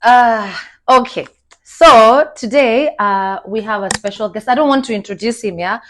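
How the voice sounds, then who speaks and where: A woman's voice: a little high, normal speed, a bit bright, slight background noise. A woman hosting a casual interview, chatty and affirming, often murmuring along as her guest talks. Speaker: host.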